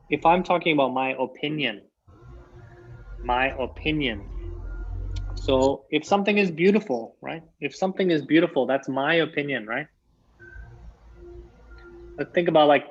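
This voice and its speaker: Canadian man teaching English over a muffled line. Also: mid-range voice. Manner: patient, repeats key phrases. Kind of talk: online English lesson.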